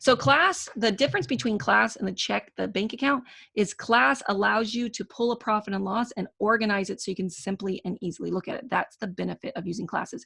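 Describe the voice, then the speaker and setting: A very fast woman's voice, fairly high in pitch, with vocal fry. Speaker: QuickBooks trainer. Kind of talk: live tutorial webinar. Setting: live video stream. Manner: casual, filler-heavy.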